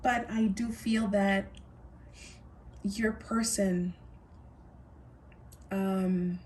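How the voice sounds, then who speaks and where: A woman's voice: medium pitch, fairly even intonation, drawn-out words, a little mellow, recorded from a distance, a little hiss or hum. A woman giving a pick-a-card tarot reading, musing aloud, repeating her phrases and speaking straight to her viewers. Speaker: tarot reader.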